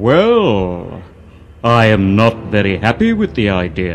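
With clear background noise behind him, a man puts on a character voice, fairly low in pitch and fairly slow. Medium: read story. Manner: menacing.

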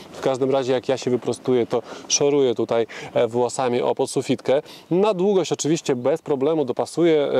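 A man at a fairly quick pace with ordinary pitch variation, in a dry sound with no echo. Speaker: car reviewer. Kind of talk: review commentary. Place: car.

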